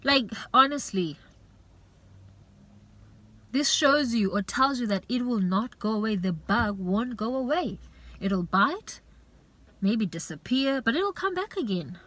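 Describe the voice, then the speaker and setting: A woman's voice: fairly high pitch, lively intonation, slow, pauses often, a bit bright. A woman giving an earnest, faith-based motivational talk as a vlogger, urging and repeating herself, with plenty of "you know".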